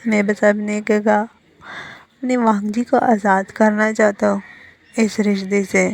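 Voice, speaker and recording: A woman's voice: mid-range voice, level tone, vocal fry, darkish tone. Woman doing a slurring heartbroken young man. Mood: drunk. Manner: slow, slurred, mournful.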